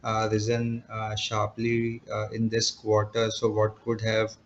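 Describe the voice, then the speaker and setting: Flat-voiced man on a noisy call line. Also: on the low side, measured pace. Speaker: analyst asking questions on an earnings call. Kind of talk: business question and answer. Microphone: conference call line. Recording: dull conference phone line, noisy background.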